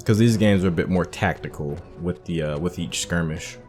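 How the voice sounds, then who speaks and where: A man hosting a game playthrough, giving relaxed, rambling commentary full of fillers. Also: deep voice, moderate pace, faint music behind. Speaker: gaming host. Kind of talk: casual gameplay commentary.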